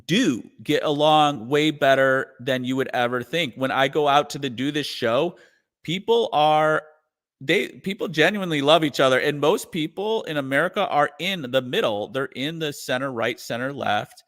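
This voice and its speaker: A man's voice: on the high side, normal speed, fairly bright tone. A man chatting as a guest in an interview, rambling with restarts and lots of "you know". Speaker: guest musician and comedian. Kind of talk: casual interview chat.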